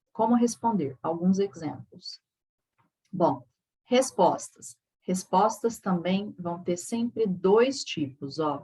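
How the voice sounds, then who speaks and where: A woman with a Brazilian Portuguese accent, an English teacher giving a recorded lesson, explaining slowly and checking in with her students. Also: medium pitch, darkish tone, breathy edge, rough recording.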